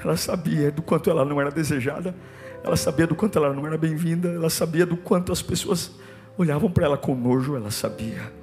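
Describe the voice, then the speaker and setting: A man preaching a sermon, emphatic and repetitive, dropping to a hush and then rising to force. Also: a little high, quick pace. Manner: emphatic and repetitive, swinging between hushed and forceful. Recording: long hall reverb with soft music behind.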